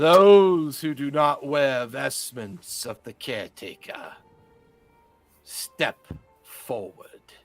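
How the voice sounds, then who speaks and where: A man puts on a booming character voice at a fairly high pitch with lively intonation. He goes at a very slow pace with long, frequent pauses, and faint music plays in the background. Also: big swings in loudness. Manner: commanding.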